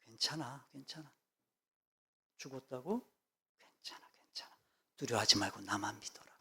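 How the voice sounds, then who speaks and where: A man voicing a gentle, reassuring comforter in a hushed, near-whispered, soothing tone. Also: medium pitch, normal speed, creaky, husky, pitched below the performer's own voice, heavily acted. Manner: soft and soothing.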